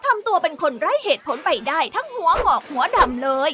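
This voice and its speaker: A woman playing a bossy, teasing market shopkeeper in a children's radio drama. She chats and scolds in a nosy, sharp-tongued way. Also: extremely high pitch, big pitch swings, brisk, exaggerated voice. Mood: scolding. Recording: music playing underneath.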